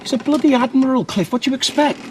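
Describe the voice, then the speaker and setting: A brash bossy pirate captain. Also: male voice, very high voice, quick pace. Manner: bossy, rude and bickering. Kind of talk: sitcom acting.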